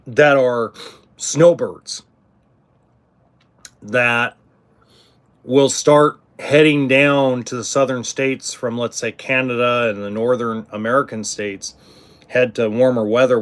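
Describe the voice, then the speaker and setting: A middle-aged man hosting a casual livestream about RVs, answering viewers in a rambling way, with frequent ums, restarts and blunt cursing. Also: medium pitch. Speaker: RV livestream host.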